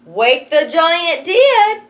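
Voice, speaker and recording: A woman's voice: very high voice, sing-song, very slow. A woman, a teacher reading a story aloud expressively and adding wry explanatory asides. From United States. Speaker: schoolteacher reading aloud to students.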